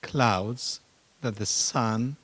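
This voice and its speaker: A man who is a church archbishop, giving measured, deliberate remarks at a symposium panel. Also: medium pitch, a bit bright. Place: university symposium hall.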